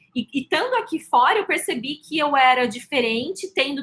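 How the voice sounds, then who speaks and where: A woman projects a raised, high-pitched voice with a bright, sharp tone at a moderate pace. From Brazil, interior of São Paulo state. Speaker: tech professional, community co-founder. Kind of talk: panel interview.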